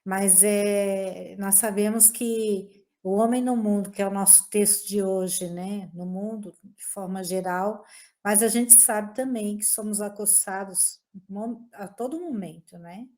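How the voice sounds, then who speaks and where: Female participant, mellow warm tone, short explanatory remarks, video call. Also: mid-range voice, unhurried. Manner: brief, explanatory comments. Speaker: study group participant. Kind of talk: casual group discussion.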